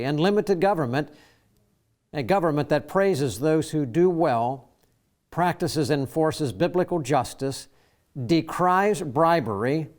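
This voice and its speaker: A man hosting a faith-based talk program, his voice sitting a little high for a man. He reads in a measured, formal way. When he speaks off the cuff he trips over fillers. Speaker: radio show host. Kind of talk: scripted program introduction and interview.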